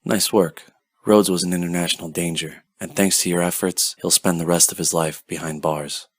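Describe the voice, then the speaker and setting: Hero mentor, male actor: deep voice, composed, businesslike, dry close recording. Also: steady tone, moderate pace, slightly rough, no room sound. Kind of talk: amateur audio drama acting.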